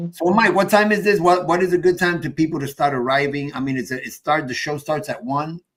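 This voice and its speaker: Talking very fast, a man uses a fairly high pitch with ordinary pitch variation. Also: hardly any pauses. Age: 60s. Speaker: podcast host and bandleader. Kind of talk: casual chat.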